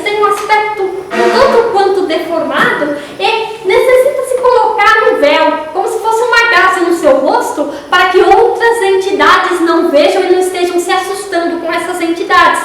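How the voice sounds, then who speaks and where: A woman's voice: extremely high pitch, slight background noise. A woman giving a spiritist lecture, animatedly retelling a story. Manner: animated retelling with acted quotes. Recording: echoey hall from far off.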